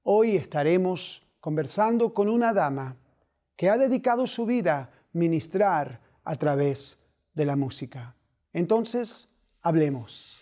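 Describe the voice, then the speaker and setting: A man hosting a Christian TV talk show, asking questions slowly and gently, with some hesitation. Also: a little high, animated. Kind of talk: Christian TV interview.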